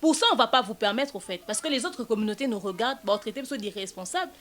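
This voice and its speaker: A woman hosting a casual web show, talking in an indignant, animated way and mixing French with Lingala. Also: a little high, fast talker. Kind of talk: casual chat.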